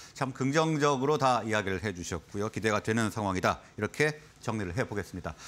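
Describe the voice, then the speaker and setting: Lively in intonation, the voice races along at a very fast pace. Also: man, fairly low pitch for a man. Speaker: TV stock show anchor. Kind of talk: broadcast moderation. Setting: studio. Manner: formal. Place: studio. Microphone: lapel.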